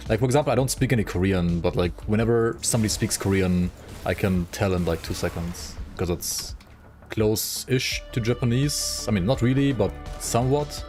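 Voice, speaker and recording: A man's voice: deep voice, a little mellow. A man streaming a game, chatting casually and rambling with his viewers as he thinks aloud. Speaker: gaming livestreamer. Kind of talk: casual chat with viewers while gaming.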